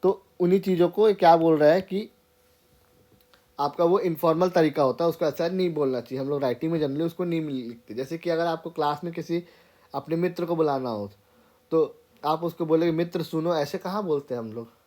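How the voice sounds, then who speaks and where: A man's voice: on the high side, a little fast, warm tone. A man teaching an informal grammar lesson, explaining step by step and often checking in with his students. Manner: explains step by step, keeps checking in with "theek hai". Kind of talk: informal classroom lecture.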